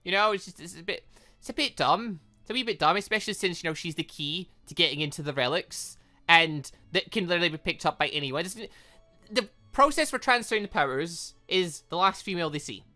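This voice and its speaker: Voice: medium pitch, lively intonation, fairly quick, pushed and bright, soft background music. A British let's play host giving casual commentary on a game, rambling and thinking aloud. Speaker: gaming video host.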